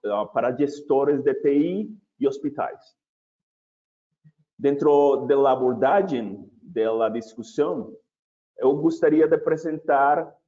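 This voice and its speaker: A man opening and presenting a webinar in a measured, deliberate way, with occasional restarts. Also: medium pitch, mellow, lo-fi sound.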